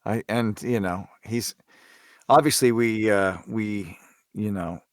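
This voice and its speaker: A man chatting casually as a podcast panelist, halting and repeating words as he searches for his thought. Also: lowish voice, no echo, clean studio sound. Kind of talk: casual interview chat.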